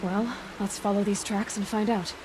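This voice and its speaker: A woman's voice: mid-range voice, little pitch movement, moderate pace, noisy background, lightly acted. A woman voicing a determined young tribal hunter in a video game, thinking aloud as she investigates in short, observant deductions. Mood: firm, resolute. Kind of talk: video game cutscene acting.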